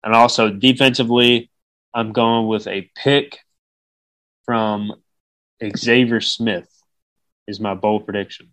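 A man's voice: fairly low pitch, steady tone, slow pace, pauses often, fairly bright tone, no room sound, poor audio. A man with a slightly nasal voice hosting a sports podcast, talking casually through his opinions and game predictions. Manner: conversational, gives opinions and predictions. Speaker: podcast host.

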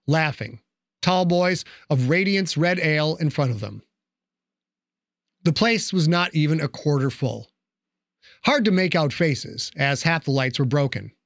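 A man narrating an audiobook in a steady, measured storytelling manner. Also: fairly high pitch, no room sound, studio quality. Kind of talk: scripted narration.

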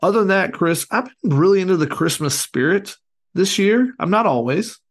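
A man co-hosting a casual sports podcast, hoarse as his voice comes back, talking in a rambling way with many fillers. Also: high voice, lively intonation, moderate pace. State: hoarse, recovering lost voice. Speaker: podcast co-host.

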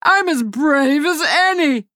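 A woman's voice: sits high, lively intonation, slow, fairly bright tone, dry recording, clean studio sound, voice pushed up, exaggerated voice. A woman voicing a pompous, bullying male pirate captain in a storybook reading, commanding and haughty. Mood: pleading. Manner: haughty and commanding, turns to pleading when scared.

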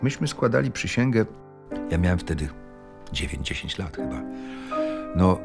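Deep-voiced older man over loud music. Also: sing-song, normal speed, creaky. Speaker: former scout giving recollections. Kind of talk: conversational reminiscence.

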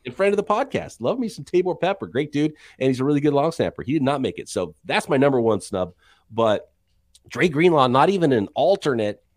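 A man co-hosting a sports podcast, chatting casually and sharing strong opinions with quick asides. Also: mid-range voice, big pitch swings, no room sound. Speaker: podcast co-host.

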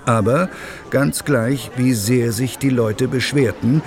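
A man's voice: medium pitch, slow, a little mellow. A man narrating a children's audio play in a scripted storytelling style. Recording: music behind the voice.

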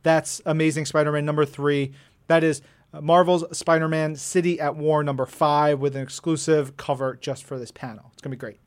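A man with a slightly high voice talks as a podcast co-host. His delivery is casual and chatty, with an enthusiastic, jokey and informal manner. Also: little pitch movement, brisk, clear, resonant tone. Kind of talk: casual chatty event preview.

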